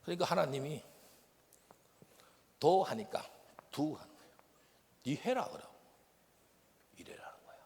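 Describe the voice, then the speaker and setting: A man with a Gyeongsang accent preaching a sermon as a missionary, shifting from loud bursts to hushed whispers. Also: a little high, lively intonation, unhurried, creaky, long pauses. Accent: Gyeongsang Korean. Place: church sanctuary. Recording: long reverb of a church hall.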